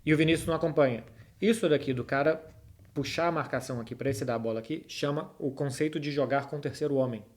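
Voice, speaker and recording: This Brazilian Portuguese-accented man speaks fast in a slightly high voice. As a football chat host, he talks informally to his audience, fielding their questions and breaking down the game.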